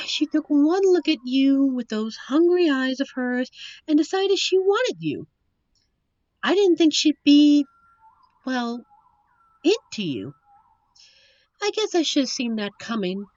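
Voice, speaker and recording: A woman playing a captive young princess in a roleplay audio drama, witty and wistful, with genteel, formal storybook phrasing and thoughtful pauses. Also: high-pitched, big pitch swings, darkish tone, no echo, highs cut off, exaggerated voice. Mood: hesitant, wistful. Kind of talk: roleplay audio drama, one side of a dialogue.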